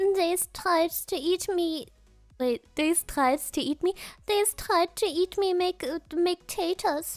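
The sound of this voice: In a put-on character voice pitched extremely high, a woman speaks at a fairly slow pace as faint music plays in the background.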